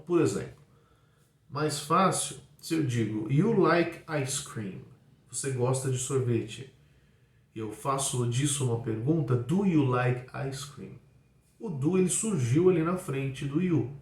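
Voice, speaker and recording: A man with a Brazilian Portuguese accent, teaching an English lesson and saying example sentences slowly and clearly. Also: a little high, a little mellow, distant mic. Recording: echoey room, voice off-mic.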